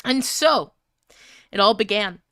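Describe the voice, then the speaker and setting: A woman with a bright, fairly high voice reads fanfiction on a stream in a clean, dry sound. Her pitch moves around a lot, and she comes across as giggly and easily flustered. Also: lively intonation, slow pace, no echo. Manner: giggly, flustered, breaking up while reading. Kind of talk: live fanfiction reading with casual chat.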